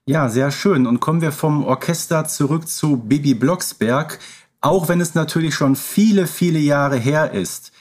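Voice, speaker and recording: A man's voice: a little high, moderate pace, a little mellow. A man co-hosting an interview podcast, putting prepared questions to a guest.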